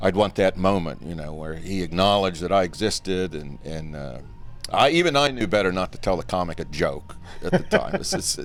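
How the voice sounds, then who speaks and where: Man with an American accent, very deep, low pitch, lively intonation and a fairly quick pace over music in the background. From US Midwest, Dayton, Ohio. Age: 60s. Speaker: stand-up comedian. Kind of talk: casual interview. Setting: aboard a cruise ship.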